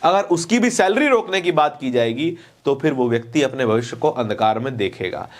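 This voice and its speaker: A man's voice: mid-range voice, lively intonation, normal speed. A man presenting opinionated news commentary, speaking emphatically with repeated phrases and rhetorical questions.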